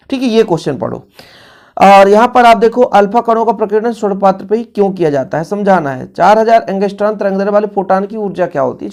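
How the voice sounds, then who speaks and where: A man's voice: sits high, a little mellow. A male physics teacher, going over exam revision questions in a casual, brotherly tone and talking straight to his students.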